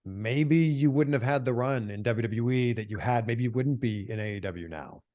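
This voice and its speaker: A man's voice: mid-range voice, normal speed, mellow. A man hosting an interview, asking friendly, conversational questions. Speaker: interview host. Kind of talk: casual interview.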